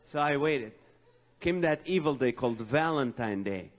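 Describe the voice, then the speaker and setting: A middle-aged man doing stand-up comedy, telling self-mocking stories in an animated way. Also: mid-range voice, moderate pace.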